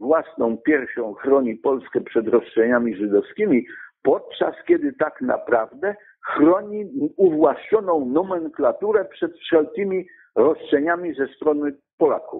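Against a quiet background, a man delivers his words at a very slow pace. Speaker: commentator interviewed by phone. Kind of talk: interview answer. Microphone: phone line.

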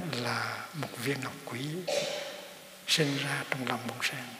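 Noticeable background noise under a man's very slow speech. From Vietnam. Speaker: Buddhist monastic teacher. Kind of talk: dharma talk for children. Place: hall.

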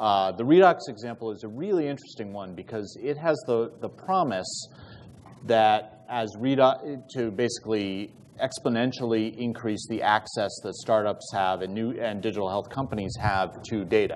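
An American accent colors this man's speech. He talks at a moderate pace with ordinary pitch variation. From Massachusetts. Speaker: state digital health agency director; guest. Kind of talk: fireside chat panel. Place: hall.

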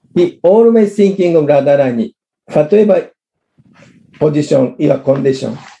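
A man speaks at a moderate pace in a fairly high, somewhat breathy voice. His intonation is lively, broken by long, frequent pauses. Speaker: monk; spiritual teacher. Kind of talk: religious discussion. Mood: gentle, smiling. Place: home room. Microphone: video call.

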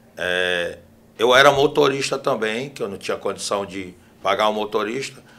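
Bright, sharp tone at a moderate pace, with ordinary pitch variation and big swings in loudness. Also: man. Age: 40s. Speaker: city councillor; council guest. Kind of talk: interview; interview answer. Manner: hesitant, many fillers. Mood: earnest, grateful. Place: studio. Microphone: studio mic.

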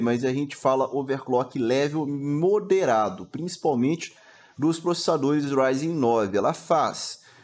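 Speaking at a fairly slow pace, a man talks with a Brazilian accent. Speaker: tech deals YouTuber. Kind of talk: commentary on product deals. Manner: informal, chatty, repeats prices for emphasis. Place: home room.

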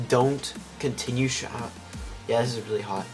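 A male speaker, moderate in pace, over background music. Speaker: DIY electronics hobbyist. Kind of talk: casual product review to camera.

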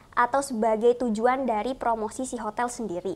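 Talking at a moderate pace, the woman has a high pitch. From Indonesia. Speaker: university student; presenter. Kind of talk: recorded presentation. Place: home room.

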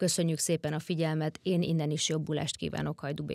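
A woman with vocal fry speaks at a moderate pace in a very deep, low pitch and a monotone, flat intonation, the sound dry and close with no echo on a very clean recording against a silent background. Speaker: sports podcast host. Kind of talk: casual chat.

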